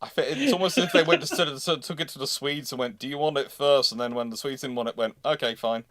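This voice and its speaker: A man hosts a live history discussion in a medium-pitched voice. He speaks haltingly, repeating and rewording phrases as he goes. The sound is dry, with very little room in it. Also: expressive, fairly bright tone, dry recording. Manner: halting, often repeats and rephrases words. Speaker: host of a naval history livestream. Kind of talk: live question-and-answer discussion.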